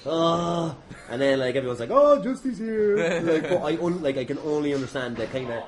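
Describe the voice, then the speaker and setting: A man's voice: on the high side, animated, moderate pace, crowd noise. An Irish man hosting a casual podcast chat, swearing freely and teasing in his banter. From Ireland. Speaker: podcast host and wrestler. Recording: clearly noisy background with clicks.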